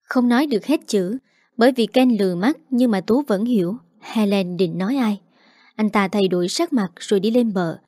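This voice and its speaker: A woman reading a dramatic story aloud, narrating in a steady scripted style and voicing every character herself. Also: medium pitch, normal speed, dry recording, studio quality.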